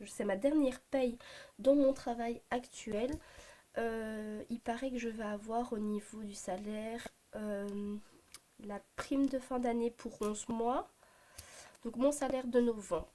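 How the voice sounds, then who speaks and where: Hoarse Belgian woman vlogging her budget. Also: a little high, dark tone. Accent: Belgian French. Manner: chatty, many hesitant fillers. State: hoarse from a cold. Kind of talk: casual talk to camera. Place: home at a desk, morning.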